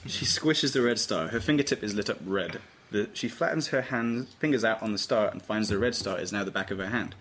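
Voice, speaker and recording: A man's voice: fairly low pitch, fairly quick, a bit bright, breathy edge. A man narrating scripted stage directions aloud at an informal table read. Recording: noisy amateur room recording, clicks.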